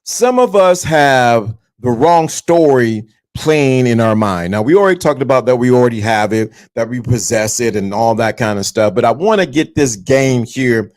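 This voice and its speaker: A man's voice: mid-range voice, animated, normal speed, hardly any pauses, a little mellow. A man in his fifties hosting a live stream, giving a motivational talk to his viewers and repeating his key points. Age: 50s. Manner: repetitive, preachy, addresses viewers directly. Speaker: livestream host.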